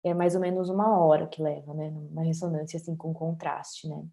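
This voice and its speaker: Brazilian woman, late 20s, interview guest; warm, mellow voice, candid chatty storytelling. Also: low voice, level tone, brisk, creaky. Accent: Brazilian Portuguese. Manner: candid, conversational, often adds tag questions.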